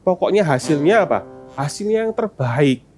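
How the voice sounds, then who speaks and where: Lively children's sermon teacher, swooping voice, soft guitar music behind. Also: mid-range voice, normal speed. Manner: animated, asks kids questions.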